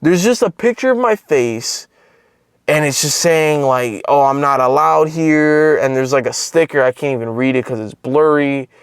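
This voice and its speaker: A young man tells a personal story straight to the camera in a loose, rambling way. He swears constantly and fills gaps with "like" and "bro". His voice sits in an ordinary middle pitch and sounds close and dry, with no room echo. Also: expressive, normal speed, smooth. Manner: profane, rambling, heavy filler words. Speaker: content creator. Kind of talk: casual storytelling vlog.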